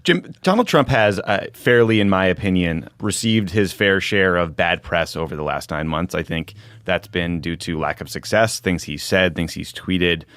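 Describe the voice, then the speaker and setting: A deep-voiced man co-hosting a podcast asks a guest a measured, wry question. The sound is dry and close to the mic. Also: a bit bright, dry recording. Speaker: podcast co-host. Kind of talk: interview questions.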